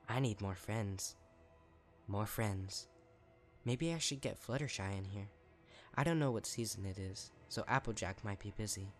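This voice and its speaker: A man's voice: fairly low pitch, natural voice. A man voicing a deranged, eager, power-hungry female unicorn pony writing letters, in a chirpy, unhinged manner for a horror story.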